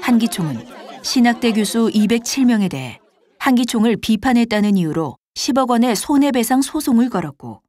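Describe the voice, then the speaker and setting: A woman reading scripted documentary narration in a formal, measured manner. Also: medium pitch, a little mellow, no room sound, studio quality, natural voice.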